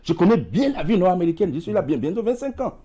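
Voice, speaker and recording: The voice sits high and sing-song, dark in tone and quick, with a little hiss or hum on the lapel mic. It belongs to a middle-aged man with a West African French accent, an emigration expert guesting in a TV studio interview. He makes wide gestures and stumbles on repeated words.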